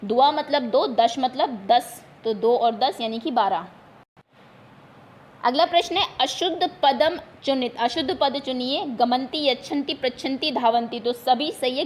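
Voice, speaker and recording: Woman teacher, high voice, patient, explains each answer, faint hiss behind. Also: normal speed. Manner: patient, repeats each term in Hindi.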